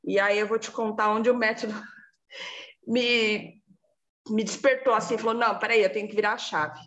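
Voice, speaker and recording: A woman, giving a lively casual testimonial and acting out her own past words. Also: mid-range voice, moderate pace, highs cut off.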